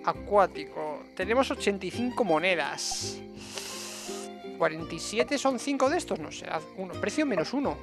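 Young guy from spain streaming a game, chatty n playful, castilian accent, croaky fry in his voice, game music behind. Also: high-pitched, lively intonation, normal speed. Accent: Spanish from Spain. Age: young adult. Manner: chatty, playful self-talk with diminutives. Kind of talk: casual gameplay commentary. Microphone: headset microphone.

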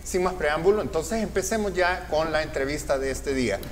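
A middle-aged man hosts a studio political interview show, his voice sitting a bit high for a man. He talks in a promotional way, running through schedule details more than once. The studio rings with a long reverb over a faint hiss. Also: lively intonation, brisk. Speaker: TV interview host.

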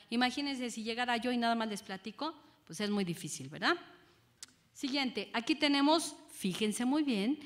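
A woman, a judge giving a lecture to an audience, lively and often asking them rhetorical questions. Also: medium pitch. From Mexico.

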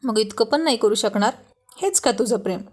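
A woman's voice: fairly high pitch, animated, brisk. A woman doing a pouting playful young wife. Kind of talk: storybook reading.

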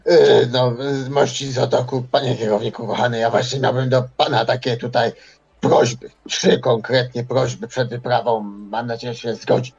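A man's voice: mid-range voice, steady tone, normal speed, vocal fry, a little mellow, slightly rough, dull audio, soft background music. A man roleplaying in a tabletop game, talking hesitantly and wordily and repeating himself. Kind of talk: improvised in-character roleplay.

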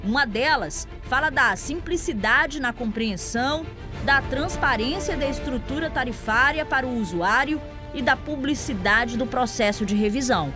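A woman reporter with an Amazonas Brazilian accent reads a scripted news voice-over. Her high voice stays measured and informative. Clear music runs underneath. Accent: Brazilian Portuguese, Amazonas.

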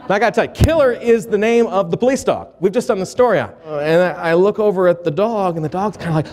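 A man in his forties giving a keynote speech in a hotel ballroom, animated and acting out the people in his stories. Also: high voice, fast, a faint crowd, a little hiss or hum. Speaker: keynote speaker. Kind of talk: live keynote speech with storytelling. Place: large hotel ballroom, indoors.

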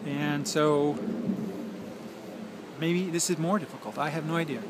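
A man in his forties talking casually and haltingly to a handheld phone, musing as he drifts between thoughts. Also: a little high, fairly even intonation, very noisy. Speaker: video blogger. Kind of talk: casual rambling monologue to camera. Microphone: handheld smartphone at arm's length.

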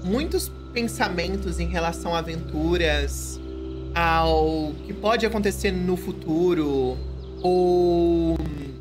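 A thirty-year-old woman with a Brazilian accent, commenting on a game to her live chat in a reflective, emphatic way. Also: on the low side. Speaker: game streamer. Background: game music.

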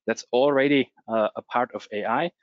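A man giving a technical webinar presentation, relaxed and full of fillers. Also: medium pitch, normal speed, dry recording, lo-fi sound. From Austria. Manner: relaxed, many fillers and restarts.

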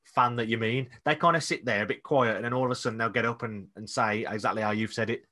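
A man with a Black Country accent hosts a casual podcast interview, enthusiastic and encouraging. His voice is bright and forceful and sits fairly low. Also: quick pace. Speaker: podcast host.

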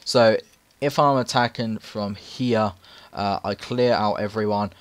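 A hoarse, raspy man narrating casual gameplay tips over footage, rambling with many fillers. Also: on the low side, fairly even intonation, measured pace. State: hoarse from repeated takes. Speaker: gaming channel host.

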